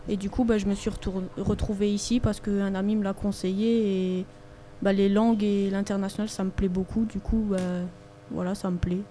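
A woman's voice: medium pitch, level tone, normal speed, warm tone, slight background noise. A young woman, a student panelist, giving a casual personal account. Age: young adult.

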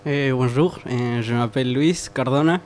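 A man in his twenties, a Spanish-native student, introducing himself in a halting way with many pauses and fillers. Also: medium pitch, a little mellow, slight background noise. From Mexico. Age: 20s. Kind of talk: self-introduction.

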